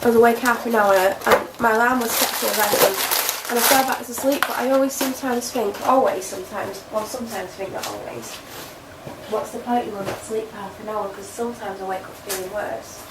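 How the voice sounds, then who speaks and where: Young woman, a home vlogger with a cold. Chatty and rambling. Slightly high, gravelly voice, faint background hiss. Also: fairly even intonation, fairly quick. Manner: rambling, self-deprecating, chatty. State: congested, snotty from a cold. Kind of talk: casual chatty vlog to camera. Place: at home, indoors. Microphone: camera mic.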